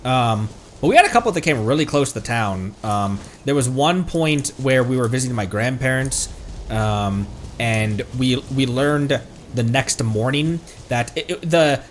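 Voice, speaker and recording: An American man chatting casually on a game livestream in a rambling, halting way. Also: medium pitch, expressive, a little hiss or hum. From American Midwest and Tornado Alley region. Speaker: game streamer. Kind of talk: casual livestream chat over gameplay. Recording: game music behind the voice. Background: video game music.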